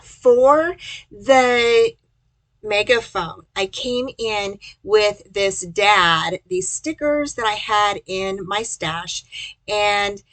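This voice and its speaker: A woman's voice: mid-range voice, very slow, fairly bright tone, no room sound, rough recording. A woman giving casual, chatty step-by-step instructions in a folksy way, as the host of a craft tutorial.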